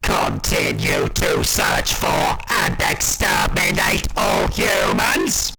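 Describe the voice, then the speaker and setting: Shouting, grating Dalek commander. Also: male voice, high-pitched, vocal fry, over music, pitched above the performer's own voice, exaggerated voice, low-quality recording. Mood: ruthless, commanding. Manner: drawn-out, staccato, mechanical shouting. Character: ruthless robotic alien Dalek commander barking orders. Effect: grating robotic voice modulator.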